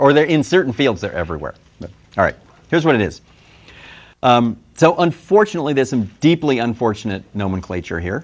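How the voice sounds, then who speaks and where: A man rattles along at a very fast pace with very wide pitch swings. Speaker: university professor. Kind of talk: lecture. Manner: halting, many fillers and restarts.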